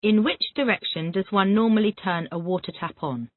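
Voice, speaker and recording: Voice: mid-range voice, no echo. Teacher firing drill questions over tinny audio. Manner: reads words then asks quick repetitive questions. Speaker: English teacher. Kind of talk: Callan method drill questioning. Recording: tinny phone-like dry audio.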